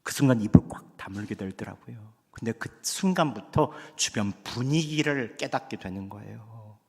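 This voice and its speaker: A male pastor delivering a Sunday sermon in an earnest, conversational way, now raising his voice and now dropping to a hush. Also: on the low side, lively intonation, moderate pace, vocal fry, husky. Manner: earnest, conversational preaching with swings between raised and hushed delivery. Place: church sanctuary. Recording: long church hall reverb.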